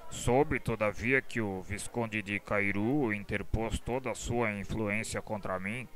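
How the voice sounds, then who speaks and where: A man playing a proud, aggrieved gentleman in a radio novela, formal and indignant in manner. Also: lowish voice. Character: proud, aggrieved gentleman obsessed with his inheritance.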